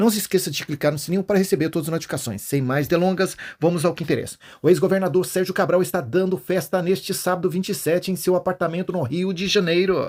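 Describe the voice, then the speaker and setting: Captured in a very clean recording with a silent background, a man with a high pitch talks at a very fast pace, keeping his intonation fairly even. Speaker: political commentary youtuber. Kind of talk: political commentary vlog.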